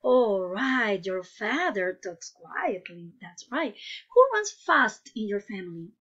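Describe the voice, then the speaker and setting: A woman's voice: mid-range voice, big pitch swings, slow pace, fairly bright tone, slightly rough, highs cut off. A woman teaching English to young children in a patient way, asking questions and praising each answer. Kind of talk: online class lesson.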